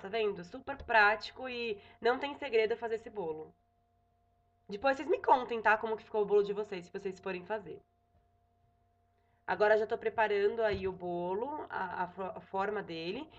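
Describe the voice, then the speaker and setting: Speaking to her viewers from her home kitchen, a young Brazilian woman gives an easygoing cooking lesson, chatty and full of "tá?" check-ins and self-corrections. Her Brazilian Portuguese-accented voice is on the high side, and the audio sounds dull.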